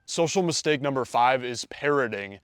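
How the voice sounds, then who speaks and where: Man, dating coach, confident talk-to-camera, dry close sound, mid pitch. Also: expressive, normal speed, clean tone, no echo. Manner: confident, conversational, acts out quoted dialogue. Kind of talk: direct-to-camera coaching video.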